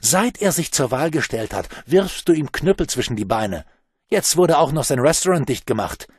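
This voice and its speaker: A man's voice: fairly high pitch, lively intonation, normal speed, breathy edge, no echo, voice pushed up. Man doing a furious scolding woman. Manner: sharp, accusing. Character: angry woman scolding her lover.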